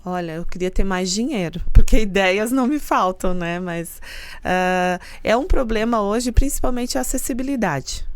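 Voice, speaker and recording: A middle-aged woman speaks in an earnest, explanatory way as a university rector being interviewed. Her voice sits at an ordinary pitch for a woman. The recording is close and dry, with no room echo. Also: expressive, moderate pace. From Santa Catarina, Brazil. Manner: earnest and explanatory, with soft laughs. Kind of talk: casual interview talk.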